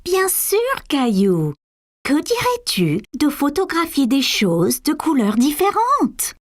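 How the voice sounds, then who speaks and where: A woman playing a patient young mother in a dubbed cartoon, speaking gently and encouragingly. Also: high-pitched, huge pitch swings, slow pace, full character voice. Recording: cartoon soundtrack with music beneath.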